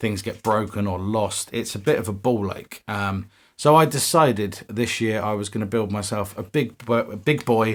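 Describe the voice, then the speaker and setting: A man's fairly low voice with a British accent, on a very clean recording with a silent background. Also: ordinary pitch variation, moderate pace. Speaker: guitarist and gear reviewer. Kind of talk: casual video vlog.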